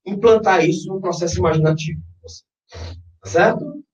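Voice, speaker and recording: A man's voice: sits high, moderate pace, darkish tone. A man with a Brazilian accent speaking as a workshop trainer, instructing and persuading a group and guiding them through exercises. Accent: Brazilian Portuguese. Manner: instructive, persuasive, checks in with short questions. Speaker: NLP trainer leading a live workshop. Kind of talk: public workshop talk and guided visualization. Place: echoey room, live session in front of a group. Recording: roomy, distant, dull sound.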